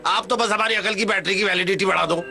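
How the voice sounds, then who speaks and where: A gullible, obedient cartoon dad who fawns and fusses excitably. The voice sits high for a man, and loud music runs underneath. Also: fast talker, creaky. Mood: eager, fawning. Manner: fawning, excitable. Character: gullible, eager-to-please cartoon father, obedient and fussy. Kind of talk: Hindi cartoon dub.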